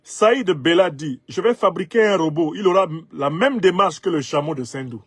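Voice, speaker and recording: A man in his fifties from Cameroon whose first language is Bassa, emphatically commenting on viewers' social media comments. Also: lively intonation, moderate pace, fairly bright tone, husky, no room sound, clean studio sound. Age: 50s. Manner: emphatic, rhetorical, laughs at his own jokes.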